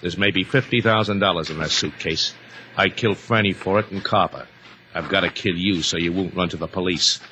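An actor playing a greedy, mocking American gangster killer, menacing, in a vintage radio crime drama. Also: male voice, low voice, natural voice. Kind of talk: 1950s radio drama acting. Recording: noisy vintage 1950s radio recording.

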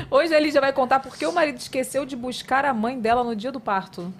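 A woman hosting a podcast in casual chat, playful and quick to laugh. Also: high-pitched, a crowd in the background. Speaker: podcast host.

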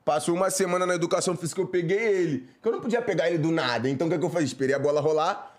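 A man's voice: fairly high pitch, very fast, background noise. A man with a Brazilian Portuguese accent telling a comic story in slangy casual chat, acting out voices and sound effects.

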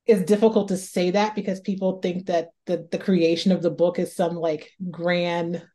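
A woman author from Northeast Ohio talks through her ideas in an interview. Her voice sits a little low and sounds mellow and relaxed. She thinks aloud, often repeating a word before going on. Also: normal speed. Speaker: author guest. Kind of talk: reflective interview conversation.

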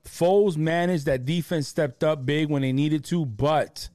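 A man hosting a casual sports chat, talking in an animated, slangy way and often repeating words. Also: a little high, a little slow, dry recording, clean studio sound. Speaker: podcast host.

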